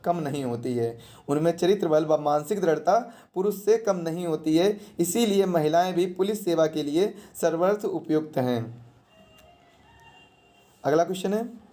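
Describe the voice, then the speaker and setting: Mellow exam teacher. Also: medium pitch. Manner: didactic, repeats questions and answers, poses rhetorical questions. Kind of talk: question-and-answer exam lesson.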